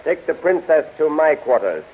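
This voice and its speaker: An actor playing a stern alien prince who commands soldiers in a 1930s radio serial, imperious and declamatory. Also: male voice, fairly high pitch, big pitch swings, moderate pace. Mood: commanding. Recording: hissy, muffled 1930s radio recording.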